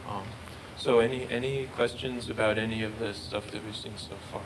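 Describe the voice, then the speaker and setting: A man presenting research and answering questions, halting and often repeating words. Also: lowish voice, steady tone. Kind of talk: research talk Q&A. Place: lecture room. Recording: noisy room recording.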